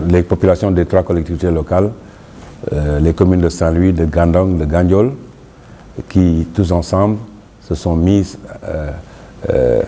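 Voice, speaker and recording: A man with a very low, mellow voice gives a formal statement in halting, broken phrases. He sounds like a local official being interviewed, with faint ambient noise behind him.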